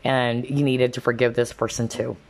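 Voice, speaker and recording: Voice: medium pitch, flat delivery, normal speed. A tarot card reader talking casually to viewers in a conversational way, often checking in with a short questioning tag. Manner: conversational, frequently checks in with "okay?".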